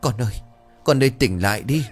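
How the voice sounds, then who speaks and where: A man's voice: lowish voice, expressive, moderate pace, faint music behind, pitched above the performer's own voice, natural voice. A man voicing a frantic mother pleading over her possessed daughter.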